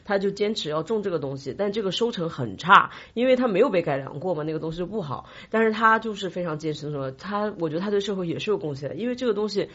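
A woman talks quickly in casual discussion, retelling anecdotes with animated repetition. Her voice is slightly rough and breathy rather than clean. The recording is a bit dull and lo-fi. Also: fairly low pitch. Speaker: podcast co-host.

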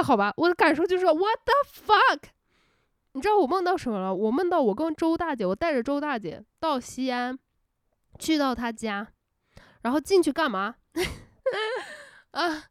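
A woman hosting an unscripted casual rant, telling stories in an animated way, laughing often and dropping English words into her talk. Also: sits high, moderate pace, smooth, no room sound, studio quality. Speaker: host.

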